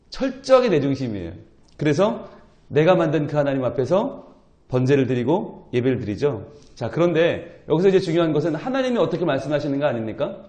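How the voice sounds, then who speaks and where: A male pastor preaching at an early-morning church service, talking in a lively, colloquial way and playfully acting out scripture dialogue. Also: on the high side. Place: church sanctuary. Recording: roomy church echo.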